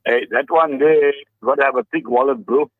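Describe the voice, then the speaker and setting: A man calling in by phone to a radio show, trading quick jokes and laughing a lot. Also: medium pitch, dry recording. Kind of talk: joking radio banter. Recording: tinny phone line.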